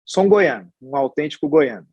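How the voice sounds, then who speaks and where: A man in his forties with a Goiás accent talks through his life story in a casual interview. His voice is husky and pitched a little higher than most men's. He rambles warmly, restarting phrases and tagging on little questions, and the sound is close and dry. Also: lively intonation, a little fast, no echo, muffled recording. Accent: Goiás Brazilian Portuguese. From Goiás, Brazil. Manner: chatty and storytelling, with many restarts and tag questions. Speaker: guest, hospital executive.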